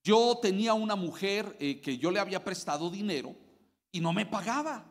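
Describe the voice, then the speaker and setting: Man, Mexican accent, pastor's sermon, high lively voice, dramatic loud and soft swings, long hall reverb. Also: moderate pace. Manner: dramatic, swings between loud bursts and low murmurs.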